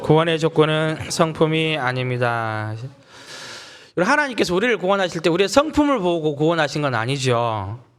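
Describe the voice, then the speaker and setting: Very wide pitch swings in a male voice, with room echo clearly audible. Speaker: guest pastor. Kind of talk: sermon. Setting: church. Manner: strong intonation, not soft.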